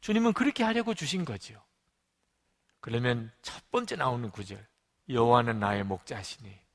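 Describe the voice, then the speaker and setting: A man preaching a sermon as pastor, telling a story and moving between raised, forceful lines and quiet, hushed ones. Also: mid-range voice, animated, moderate pace, big-room sound. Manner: storytelling with acted quotes, swings between loud and hushed. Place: church sanctuary.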